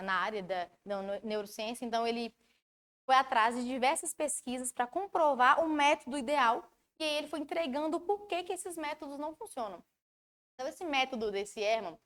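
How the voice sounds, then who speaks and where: Her pitch is fairly high as she teaches online, a woman mentoring students with a Brazilian Portuguese accent. She questions the audience and explains with animation.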